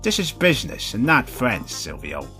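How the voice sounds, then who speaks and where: A man's voice: medium pitch, huge pitch swings, moderate pace, sharp tone, soft background music, full character voice. A man voicing a blustering, menacing mob boss in a comic story, speaking broken English in a blunt, melodramatic way. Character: menacing, blustering male mob boss, cowardly when cornered.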